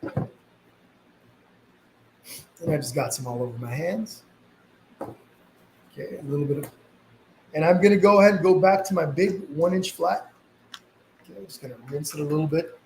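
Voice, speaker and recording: A man hosts a casual live painting lesson at a normal pace, his fairly high voice creaky and a little mellow, with long pauses. Slight sniffles from a mild cold don't disturb his easygoing, reassuring guidance. The sound is quite roomy, with a little background noise.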